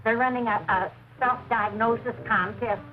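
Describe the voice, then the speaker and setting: A woman's voice: a little high, steady tone, normal speed, a little hiss or hum, lightly acted. An actress playing a fussy older mother who doses herself with tonic, in a drawling, theatrical way. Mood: sarcastic. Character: fussy hypochondriac old mother, tipsy on tonic. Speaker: hypochondriac mother. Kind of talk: 1960s film comedy acting. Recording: muffled old film soundtrack with music.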